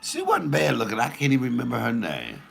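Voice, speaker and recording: Deep-voiced gravelly man telling raunchy stories. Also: fast. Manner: profane, animated, laughs at own jokes. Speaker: comedian host. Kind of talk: casual storytelling.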